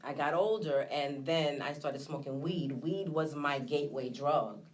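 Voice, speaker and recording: Candid, reflective woman telling her story. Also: low-pitched. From Trinidad, raised in Brooklyn. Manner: candid, reflective, hesitant with many pauses. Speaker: guest, nonprofit founder. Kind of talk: personal testimony in an interview.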